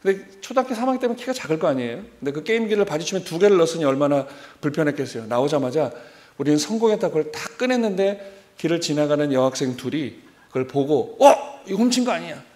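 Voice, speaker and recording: A man in his forties preaching a sermon, telling a personal story in an animated way and acting out remembered dialogue. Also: on the high side, quick pace. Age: 40s.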